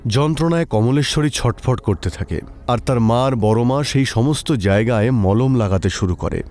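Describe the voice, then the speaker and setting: একজন পুরুষ কথক লিখিত ভূতের গল্প পাঠ করছেন।. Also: male voice, mid-range voice, normal speed, darkish tone. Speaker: narrator. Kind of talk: scripted horror story narration.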